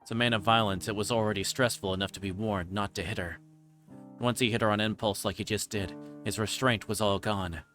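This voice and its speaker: A male streamer narrates a visual novel in a fairly low voice. He reads the prose aloud with faint music underneath. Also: fairly even intonation, brisk, fairly bright tone. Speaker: livestreamer.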